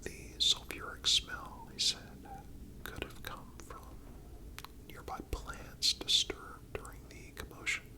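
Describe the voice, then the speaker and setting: Whispering breathily throughout, a narrator delivers a scripted story in ASMR style, each phrase careful and measured. The sound is pushed and bright.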